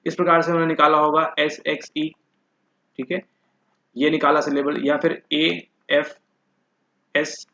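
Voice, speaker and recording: A man's voice: fairly high pitch, little pitch movement, normal speed, long pauses, pushed and bright. Man teaching, echoey lo-fi room. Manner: repeats questions to the class and answers them himself. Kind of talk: exam-prep lecture. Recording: echoey room, dull lo-fi sound.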